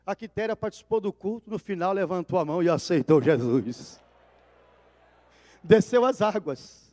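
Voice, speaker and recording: High-voiced Brazilian pastor, loud-soft preaching. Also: male voice, expressive, a little fast. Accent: Brazilian Portuguese. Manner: dramatic swings between loud cries and hushed asides. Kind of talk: sermon storytelling. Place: church. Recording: reverberant church hall.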